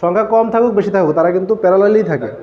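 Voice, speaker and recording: A man's voice: sits high, very fast, highs cut off. A man teaching a classroom lecture, explaining step by step and asking the class questions that he answers himself. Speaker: textile engineering lecturer.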